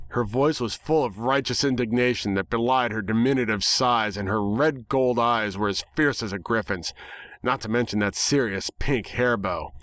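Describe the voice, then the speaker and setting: A man narrating a first-person story dramatically, with a wry, sarcastic and animated delivery. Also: medium pitch, no room sound.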